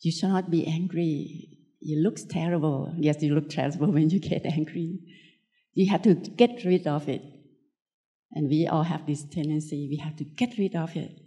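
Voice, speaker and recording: A woman from Thailand with a Thai accent, a Buddhist nun giving an unscripted spiritual talk in gentle, short, simply worded phrases. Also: low-pitched, normal speed.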